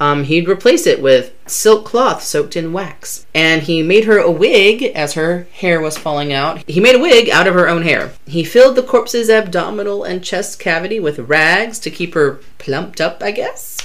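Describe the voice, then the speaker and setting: Against noticeable background noise, a woman with an American accent and fairly low pitch talks at a moderate pace with hardly any pauses. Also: lively intonation. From Carolinas, US South. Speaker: podcast host. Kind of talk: casual chat.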